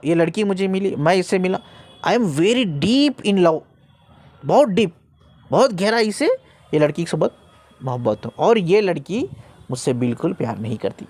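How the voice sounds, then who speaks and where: A man's voice: sits high, a little mellow. A man giving an earnest spiritual teaching talk, repeating phrases for emphasis and checking in with the listener. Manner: earnest, explanatory, speaks to the listener directly. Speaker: spiritual guide.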